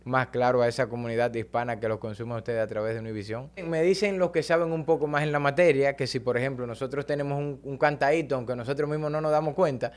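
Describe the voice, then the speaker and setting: A man's voice: medium pitch, fairly even intonation, fast talker, hardly any pauses. Dominican man asking long questions. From Dominican Republic. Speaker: podcast host. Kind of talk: casual interview chat.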